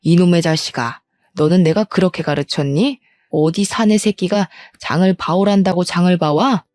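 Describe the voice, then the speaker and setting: Woman doing a contemptuous older mother-in-law, nagging scolder, lowered mellow voice. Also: moderate pace, no room sound, faint music behind, close to an everyday voice. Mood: scornful.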